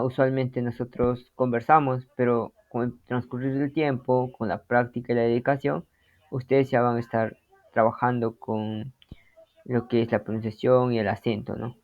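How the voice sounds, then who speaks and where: A man's voice: medium pitch, lo-fi sound. A middle-aged man teaching a language lesson, patiently explaining and reading short example phrases.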